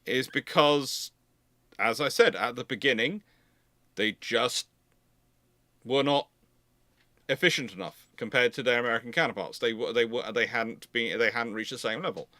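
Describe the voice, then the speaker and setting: Guy hosting a live q&a, bright voice, dry sound, rambles and restarts his sentences a lot. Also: medium pitch, normal speed, pauses often, no echo. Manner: rambling, often repeats and restarts phrases. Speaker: host of a live naval history Q&A. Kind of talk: live unscripted explanatory talk.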